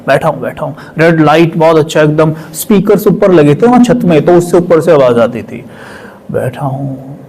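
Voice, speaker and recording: A male spiritual speaker telling a personal testimony with emotion, sometimes dropping to a hush. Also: a little high, normal speed, rough recording. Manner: emotional, drops to hushed tones for quoted voices.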